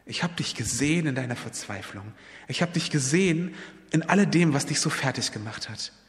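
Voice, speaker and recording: A man voicing Jesus as a gentle figure, speaking softly and consolingly. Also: fairly high pitch, lively intonation, fairly quick, in a large hall, natural voice.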